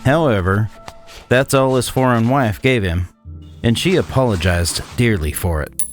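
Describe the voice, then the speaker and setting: A man playing a cynical, disdainful 1800s swindler, narrating a gothic horror tale in a measured, condescending way. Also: mid-range voice, soft background music, natural voice. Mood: grim, detached. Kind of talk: scripted dramatic horror narration.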